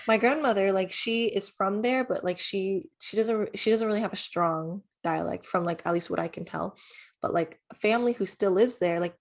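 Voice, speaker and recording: A young woman whose was Vietnamese, co-hosting a podcast in candid casual chat, swearing freely and tossing in emphatic teasing asides. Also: mid-range voice. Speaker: podcast co-host.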